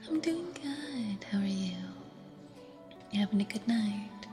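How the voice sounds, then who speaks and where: A woman hosting an ASMR livestream, chatting casually to viewers in a soft, breathy whisper. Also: medium pitch, lively intonation, takes it slowly. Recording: music playing behind. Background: music.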